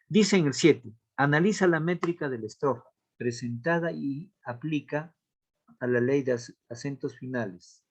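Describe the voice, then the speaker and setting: Patient man teaching a recorded lesson. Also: mid-range voice. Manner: patient, repeats key points and checks in with "¿bien?"; counts out verses aloud slowly. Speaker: literature teacher. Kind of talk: recorded class lecture.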